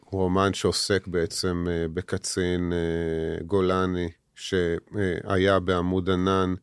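A man in his fifties talks in an interview, slowly and earnestly, stopping often to restart his sentences. His voice sits very low and sounds smooth and clear. The sound is dry and close. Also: flat delivery, no room sound. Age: 50s. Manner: halting, many hesitations and restarts; earnest, heavy. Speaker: guest, author and army veteran. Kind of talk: personal interview talk.

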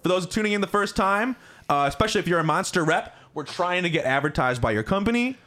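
A young man hosts a comedy podcast, his voice sitting a touch high and swinging widely as he gets excited. He teases his guest and swears freely in loose, joking chat. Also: fast talker. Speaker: podcast host.

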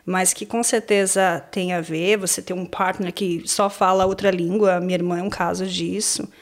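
A Brazilian woman in her thirties, an exchange agent guest, telling her story in an animated, exclamatory way in casual podcast talk. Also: lowish voice, moderate pace. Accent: Brazilian Portuguese.

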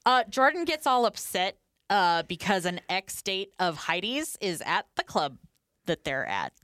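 A woman's voice: on the low side, sing-song, a little slow, fairly bright tone, no room sound, clean studio sound. A woman co-hosting a podcast, casually recapping a reality show episode with frequent fillers. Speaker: podcast co-host.

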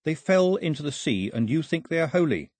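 A man acts out a stubborn young male islander in an audiobook story. He is blunt and sceptical, with a lively, husky voice in a dry sound. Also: fairly high pitch, a little fast, no echo, voice pushed up. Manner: blunt, challenging.

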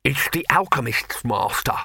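A man's voice: medium pitch, expressive, normal speed, creaky, pushed and bright, slightly rough, no echo, studio quality, exaggerated voice. A man voicing a nervous, fussy male university bursar who speaks meekly and deferentially. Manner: meek, fretful, deferential.

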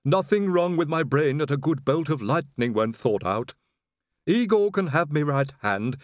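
A man's voice: fairly high pitch, dry recording, studio quality, voice pushed up, close to an everyday voice. A man playing a dying dialect-speaking servant. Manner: broken, working-class dialect speech. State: gravely wounded.

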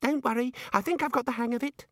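A man voicing a pompous wizard turned into a six-year-old boy, squeaky and whiny, in a fantasy storybook reading. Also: fairly even intonation, fast talker, no room sound, studio quality. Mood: bossy, flustered. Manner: lapses from pompous explaining into toddler babble.

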